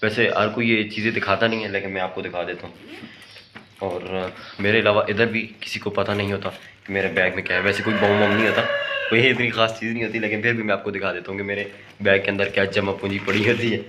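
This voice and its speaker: A man, hoarse from a sore throat, chatting casually in a vlog, rambling with many fillers and restarts. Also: fairly low pitch, little pitch movement, fast talker, background noise. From Pakistan. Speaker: vlogger. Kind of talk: casual vlog talk to camera.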